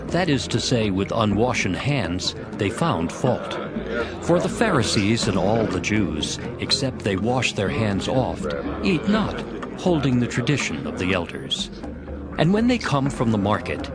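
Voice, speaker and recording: A man narrates scripture in a formal, measured way. His fairly low voice rises and falls in a lively range over clear background music. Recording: music under the voice.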